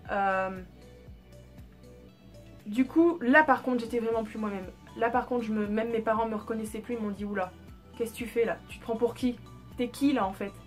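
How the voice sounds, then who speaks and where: Chatty young woman vlogger, high voice. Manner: chatty, candid, frequent fillers and swearing. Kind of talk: casual storytelling vlog.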